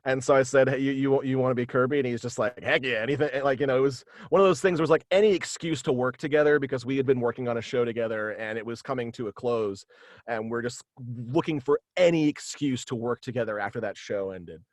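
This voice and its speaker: Young adult man, medium pitch, casual rambling interview guest, dry close recording. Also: fast talker, dry recording. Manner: rambling, frequent "like". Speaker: guest, voice actor and writer. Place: small room at home, on video call.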